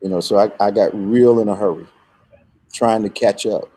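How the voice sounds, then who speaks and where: An older man speaks in a fairly low, husky voice. He reflects on life in a conversational storytelling style, measured and emphatic, like a bishop among his congregation. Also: steady tone, mellow, rough recording. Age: middle-aged or older. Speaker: bishop, guest.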